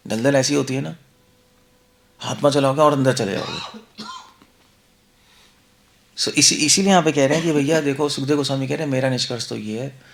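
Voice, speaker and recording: A man's voice: medium pitch, moderate pace, creaky, long pauses. A male monk giving a conversational scripture class, mixing Hindi and English, asking the listeners rhetorical questions. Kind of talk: Hindi-English devotional lecture.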